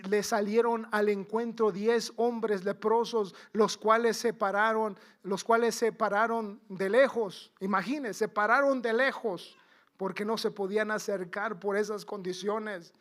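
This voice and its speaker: A male minister preaching a fervent church sermon, repeating phrases for emphasis and calling the congregation brother. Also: sits high. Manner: addresses the congregation as "hermano".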